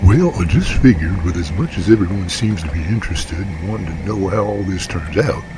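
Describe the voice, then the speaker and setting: A man acts a laid-back, inquisitive helper in a homemade radio play. His voice is low and plain-spoken. Loud noise hums in the background. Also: lively intonation, a little fast. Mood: modest, curious. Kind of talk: amateur radio drama acting.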